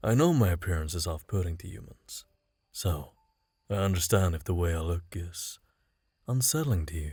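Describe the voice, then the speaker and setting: A man speaks softly in a put-on character voice, his pitch very deep and low. He talks at a moderate pace with long, frequent pauses. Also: very clean recording, silent background. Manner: soft, flirtatious.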